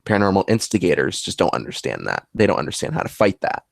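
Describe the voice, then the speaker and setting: A man with a low, gravelly voice chats about his work as a paranormal investigator. He talks in an earnest, rambling way, and the sound is close and dry with no room echo. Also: big pitch swings, fast talker. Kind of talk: casual conversation.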